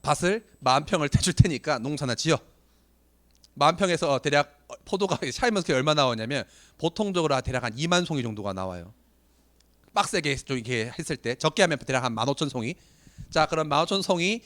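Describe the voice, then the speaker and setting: A man in his late twenties or thirties, giving a motivational business talk to trainees, telling stories animatedly with self-deprecating jokes, his voice getting hoarse. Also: on the high side, fairly bright tone. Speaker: business seminar speaker.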